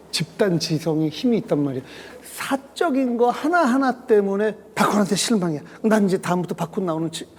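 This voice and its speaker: Teasing, animated male host. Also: high voice, in a large hall, slight background noise. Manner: teasing, then slow earnest advice. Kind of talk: casual chat over drinks.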